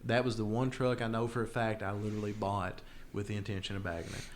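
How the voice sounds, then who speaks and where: A man's voice: lowish voice, level tone, fast talker, a little hiss or hum. A man, chatting and telling stories among friends as a podcast host in a blunt, joking, salty-tongued way. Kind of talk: casual banter and storytelling among friends.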